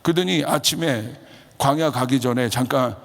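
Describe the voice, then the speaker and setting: A man's voice: mid-range voice, moderate pace, creaky. A male pastor telling a story in a sermon, acting out the voices of the people in it. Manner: animated, acts out quoted voices. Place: large church hall. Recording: echoey church hall with long reverb.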